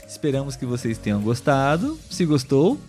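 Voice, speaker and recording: A Brazilian man co-hosting a Portuguese lesson, explaining expressions clearly and slowly and often ending with a tag question. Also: medium pitch, very animated, darkish tone, faint music behind. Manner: clear, slow teacher talk with tag questions. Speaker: co-host of a Portuguese lesson channel.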